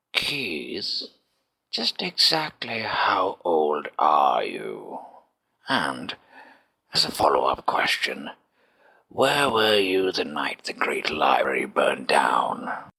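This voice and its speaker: A man puts on a raspy character voice. He speaks at a very slow pace with long, frequent pauses. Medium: audio drama. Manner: prim, fretful.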